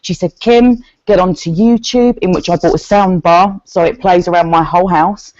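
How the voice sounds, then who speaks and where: A deep-voiced woman speaks with candor and conviction about her own life. She acts out what others said to her in animated bursts. The recording is dry and a little dull. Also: normal speed, no room sound. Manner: earnest, quotes others' words in lively bursts. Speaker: group member sharing her story. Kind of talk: candid personal testimony.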